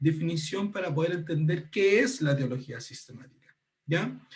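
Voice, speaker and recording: A man is speaking. Audible room echo is present. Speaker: bible teacher. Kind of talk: online workshop lecture. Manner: many fillers and repetitions.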